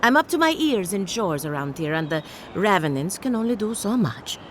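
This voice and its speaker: An actress playing a chatty, morbidly cheerful necromancer farmer in a fantasy game, wry and theatrical. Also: female voice, mid-range voice, sing-song, moderate pace, slight background noise, lightly acted. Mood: wry, businesslike. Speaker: game character. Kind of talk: scripted video game dialogue.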